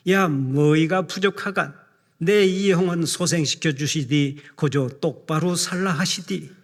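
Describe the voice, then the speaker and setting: A pastor doing a folksy northern-dialect psalm reciter. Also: male voice, fairly high pitch. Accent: North Korean dialect, put on. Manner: folksy, chatty, drawn-out rhetorical questions. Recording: long reverb of a big hall.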